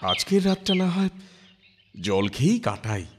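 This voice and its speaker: A man's voice: mid-range voice, big pitch swings, normal speed, noisy background. A man voicing an earnest young merchant's son in a cartoon, pleading for help.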